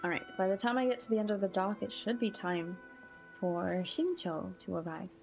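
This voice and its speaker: A woman's voice: medium pitch, moderate pace, creaky. A woman livestreaming a game, chatting casually and gushing in a friendly way to her viewers. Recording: game music behind the voice.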